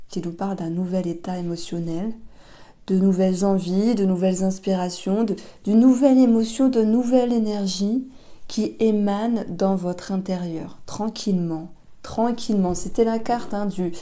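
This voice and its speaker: A woman giving a tarot reading, talking gently and unhurriedly with fillers and self-corrections. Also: medium pitch. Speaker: tarot reader.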